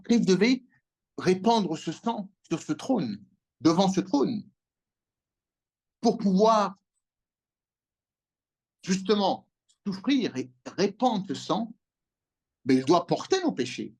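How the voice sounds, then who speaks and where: A fiery preacher whose pitch swoops up and down in lively, emphatic bursts. The sermon runs over a video call with call-and-response prompts for amens. The delivery is urgent and animated throughout. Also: husky.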